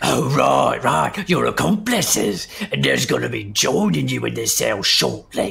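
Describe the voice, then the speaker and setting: Raspy put-on character voice from a man. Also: moderate pace. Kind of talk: audio drama performance. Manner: menacing, sarcastic.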